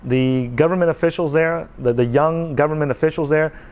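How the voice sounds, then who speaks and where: A man's voice: a little high, a little fast, a little mellow. A man in his forties talking casually to his viewers, earnest and repetitive, often checking in with "okay.". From United States. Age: 40s. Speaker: vlogger. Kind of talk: casual talk to camera.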